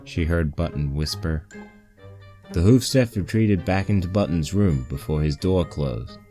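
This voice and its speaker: A man's voice: low-pitched, expressive, unhurried, warm tone. A man reading a fan fiction story aloud as scripted narration. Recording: poor-quality mic with music bed.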